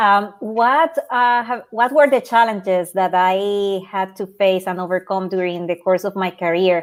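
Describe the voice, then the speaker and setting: This speaker has a Puerto Rican accent and ordinary pitch variation, moving at a fairly slow pace with hardly any pauses. The recording is very clean, with a silent background. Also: woman. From Puerto Rico. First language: Spanish. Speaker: NASA materials scientist. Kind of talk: panel discussion.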